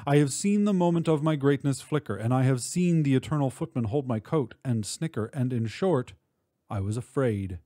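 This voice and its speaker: Mellow-voiced man reciting poetry dramatically. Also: medium pitch, no echo, studio quality. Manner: expressive, measured, with drawn-out emphatic words. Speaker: poetry reader.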